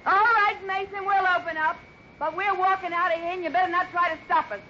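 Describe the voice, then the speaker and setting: A woman's voice: very high voice, steady tone, fairly quick. An actress playing a sarcastic, dangerous female outlaw in a 1950s radio drama. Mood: threatening. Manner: sarcastic, scornful. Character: scheming female outlaw, sharp-tongued and dangerous. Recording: dull hissy 1950s radio broadcast.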